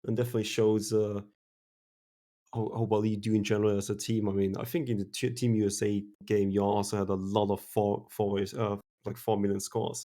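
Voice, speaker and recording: A man's voice: lowish voice, level tone, brisk, dark tone. A man with an Austrian accent doing casual commentary on a game tournament, chatty and full of restarts. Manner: chatty, restarts and fillers, laughs easily. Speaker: esports commentator. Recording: game music playing underneath.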